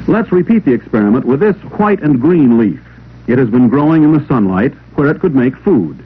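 Male narrator for vintage classroom science film: medium pitch, expressive rise and fall, didactic read, thin phone-like 16mm sound. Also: a little fast, breathy edge. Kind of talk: scripted instructional narration, 1950s classroom film. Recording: old 16mm film soundtrack, narrow telephone-like band.

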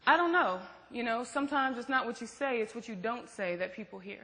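A woman's voice: on the high side, lively intonation, a little fast, fairly bright tone. A woman acting in a stage play as a protective, outspoken best friend, blunt, probing and emphatic. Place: theatre stage. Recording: echoey theatre hall.

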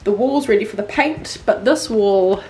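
A woman's voice: mid-range voice, moderate pace, warm tone, breathy edge. A woman in her twenties with a New Zealand accent, chatting informally as a vlogger, with "like" sprinkled through her talk. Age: 20s. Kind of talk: casual chatty vlog to camera. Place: rooms at home. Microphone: handheld camera at arm's length.

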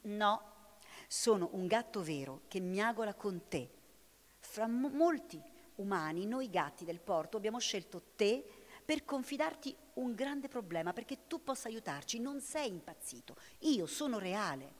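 A woman's voice: mid-range voice, very animated, a little slow. A woman reading a big black harbor tomcat. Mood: earnest. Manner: pleading, earnest. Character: big black male harbor cat, earnest and persistent. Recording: long hall reverb.

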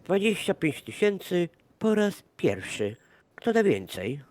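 A man voicing a formal male land auctioneer who announces bids slowly and politely. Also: sits high, very animated, darkish tone, heavily acted. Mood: announcing.

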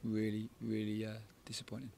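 A man in his forties, a football head coach, giving a measured post-match interview outdoors at a night stadium, often repeating words as he thinks. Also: lowish voice, monotone, creaky, mellow, slight background noise. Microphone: handheld interviewer microphone.

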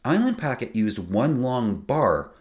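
A man's voice: mid-range voice, measured pace. A man in his forties hosting a sailing channel, explaining boat technicalities to camera in a casual, conversational way from a small home studio. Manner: lively, conversational, explains technical detail plainly.

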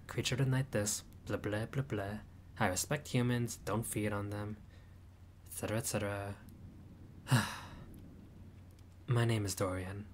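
A man's voice: a little hiss or hum, natural voice. A man voicing a friendly, laid-back male vampire host with dry teasing humor in a roleplay audio. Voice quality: low voice, dry teasing humor, grandly theatrical at times.

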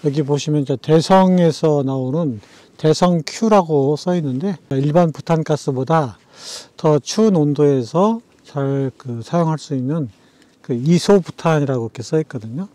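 A man chatting casually to viewers as a camping vlogger, talking things through in an unhurried, thinking-aloud way. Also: fairly high pitch, dark tone, dry recording. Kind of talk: casual vlog chat.

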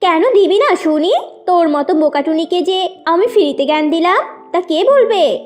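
Tiny, very high cartoon animal. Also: female voice, moderate pace, a little mellow. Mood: bossy. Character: small female cartoon bird and vixen, naive or bossy. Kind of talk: children's cartoon voice acting.

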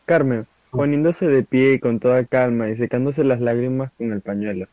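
A man's voice: medium pitch, moderate pace. A young man with an Argentine accent narrating a radio play, reading out its stage directions. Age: teens or young adult. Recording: echoey, distant, dull sound.

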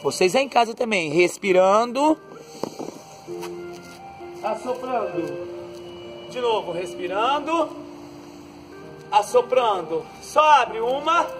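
On a big outdoor court, a Brazilian man with a Brazilian Portuguese accent guides a stretching group pose by pose, offering calm breathing cues and gentle jokes. His voice sits high and his pace is slow with long pauses; a distant camera on the ground gives a low-quality recording, with music playing behind him.

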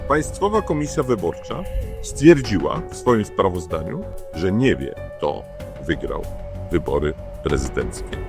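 Low-voiced man under loud music. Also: big pitch swings, a little slow. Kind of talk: political commentary on alleged election fraud.

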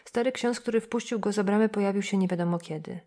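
Kobieta, lektorka audiobooka, czytająca powieść w spokojnym, wyważonym tempie. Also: female voice, mid-range voice. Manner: measured, even reading. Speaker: audiobook narrator. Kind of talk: scripted novel narration.

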